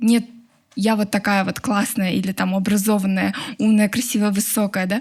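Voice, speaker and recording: At a moderate pace, a woman with a fairly high pitch talks in fairly even intonation. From Kazakhstan, southern region. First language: Kazakh (speaking Russian). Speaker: show participant sharing personal problem. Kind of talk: talk show confession. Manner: halting, many fillers and restarts.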